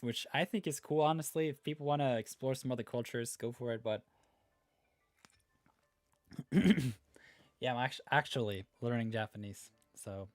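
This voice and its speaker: Norwegian-accented guy streaming games, rambly chill chat, mid pitch, dry sound. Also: dry recording. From Norway. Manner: laid-back, rambling, many fillers. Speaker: livestream host. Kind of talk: casual live-stream chat reading viewer comments.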